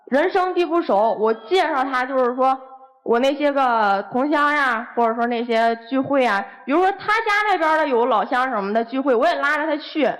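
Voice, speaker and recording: A woman's voice: high voice, animated, fairly quick. A young woman, a guest airing heated, accusing complaints about her boyfriend. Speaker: guest on dating show.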